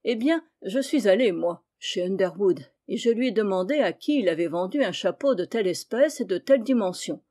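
A woman's voice: medium pitch, animated, fairly quick, hardly any pauses, warm tone, lightly acted. A woman reading the part of a boastful, eager male police inspector in an audiobook, with self-satisfied storytelling. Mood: pleased.

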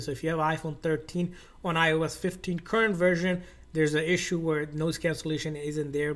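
A man's voice: a little high, fairly bright tone. A man narrating a step-by-step tech tutorial in an informal, instructional way, often repeating his phrasing.

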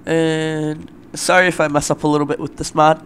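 A young man hosting a let's play, talking loosely with lots of fillers, his voice a bit raspy from the morning, at a desktop mic at home. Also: a little high, little pitch movement, moderate pace, fairly bright tone, a little hiss or hum. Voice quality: loose, rambling, filler-heavy. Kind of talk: casual gameplay commentary.

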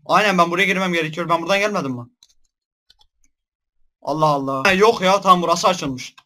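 A young man giving let's-play commentary on a horror game, jumpy and shouting in fright, then joking. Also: high voice, brisk. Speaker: gaming YouTuber.

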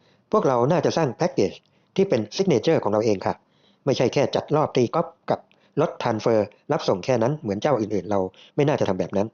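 A man voicing a bright young woman assistant from the north, soft and gentle, explaining her ideas politely. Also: mid-range voice, animated, fast talker, muffled recording, natural voice. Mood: gently explaining.

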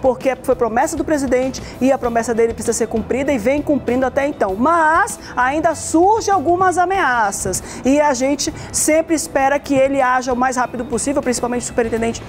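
A woman's voice: high voice, brisk, few pauses, soft background music. A Brazilian woman in her thirties presenting TV news conversationally in a studio, with emphatic, repeated phrases.

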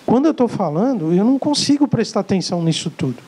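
High-voiced Brazilian man lecturing. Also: sing-song, fast, mellow, breathy edge, low-quality recording. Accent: Brazilian Portuguese. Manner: emphatic, repeats key words, acts out dialogues. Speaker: sales coach giving a lecture. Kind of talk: live motivational lecture. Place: lecture hall with a live audience.

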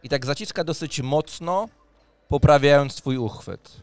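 A man narrating a tabletop roleplaying game as game master in a measured, deliberate way. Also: a little high, no echo. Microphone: close studio microphone on arm.

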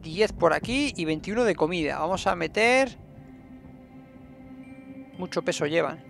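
Creaky high-voiced gamer man. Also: lively intonation, a little slow, fairly bright tone, faint music behind. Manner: chatty, talks to his game characters. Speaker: gameplay streamer. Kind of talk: casual let's play commentary.

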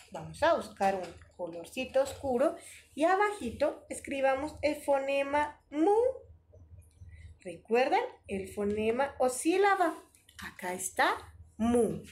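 Sing-song woman, lively preschool teacher. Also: high-pitched, slow pace. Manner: sing-song, exaggerated, encouraging. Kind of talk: online preschool lesson.

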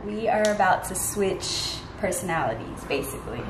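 A woman's voice: lowish voice, animated, normal speed, a little hiss or hum, poor audio. A young woman appearing as a vlog guest, answering in short, offhand replies. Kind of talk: casual vlog chat.

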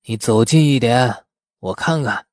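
Frail ancient man acted by a male reader, audiobook character, hoarse, muttering, very slow halting delivery, dry sound. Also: mid-range voice, a little mellow, no room sound, lightly acted. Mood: probing. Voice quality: hoarse, aged. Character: frail, nearly hundred-year-old withered patriarch, suspicious and halting.

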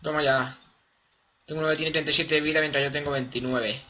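A man giving casual, excitable gameplay commentary and playfully cooing at his game creatures. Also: a little high, fast talker.

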